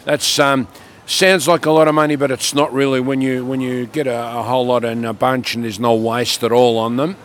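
An older man, a market produce seller in casual radio chat, his voice croaky from a cough, plainspoken and practical. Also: medium pitch, flat delivery, brisk, slight background noise.

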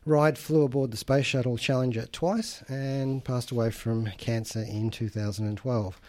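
A man's voice: mid-range voice, steady tone, normal speed, darkish tone. A man with an Australian accent hosting a casual radio show from a studio, jokey and enthusiastic, laughing often. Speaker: radio host.

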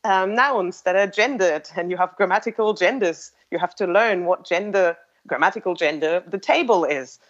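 Speaking at a normal speed with few pauses, this low-voiced, hesitant woman is an interview guest and language-tech developer with German as her first language. Her casual explanations are thoughtful, sprinkled with ums, restarts and light laughter, on muffled lo-fi audio.

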